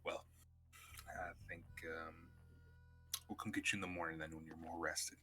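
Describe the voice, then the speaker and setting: A man's voice: low-pitched, flat delivery, normal speed, sharp tone, faint music behind. A man playing a tabletop role-playing game, talking casually in character with folksy phrasing.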